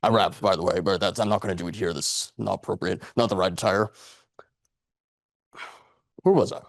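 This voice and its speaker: A man's voice: sits low, steady tone, normal speed, vocal fry, no room sound, clean studio sound. Earnest, rambling young man giving a speech. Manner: rambling, earnest, rhetorical questions and repetition. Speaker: public speaker at a speakers club. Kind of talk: motivational speech to a live audience. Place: meeting room before an audience.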